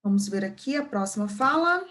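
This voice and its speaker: A woman's voice: mid-range voice, lively intonation, brisk, fairly bright tone. A woman with a Brazilian Portuguese accent teaching an English lesson, patiently repeating words and checking in with her students.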